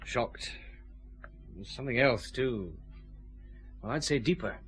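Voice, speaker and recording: An actor with a Scottish accent playing a calm, guarded detective chief inspector, questioning politely and with reserve. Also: male voice, mid-range voice, slow, husky. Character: measured male Glasgow detective, calm and guarded. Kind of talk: radio drama acting.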